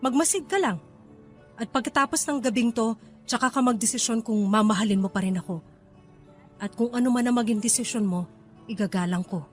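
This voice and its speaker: A woman's voice: fairly high pitch, a little fast, long pauses, soft background music, close to an everyday voice. A woman playing a guarded, hurt young KTV hostess in a radio romance drama, speaking in an emotional, pleading manner. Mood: resigned.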